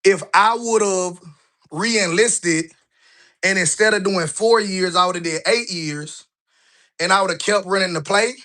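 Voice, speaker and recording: A man in his thirties vlogs as he walks indoors through his office floors, a little out of breath. His voice sits high and sounds bright and forward. He talks loosely and conversationally, tossing in rhetorical questions. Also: measured pace. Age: 30s. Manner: conversational, asks rhetorical "right?" often; colloquial, relaxed grammar. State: a bit out of breath while walking. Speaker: business vlogger. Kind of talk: casual walking vlog.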